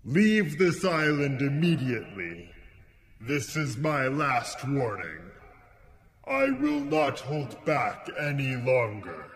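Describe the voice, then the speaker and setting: A man's voice: medium pitch, very animated, takes it slowly, fairly bright tone. A man voicing a wrathful sea monster, commanding and menacing, in an audio drama.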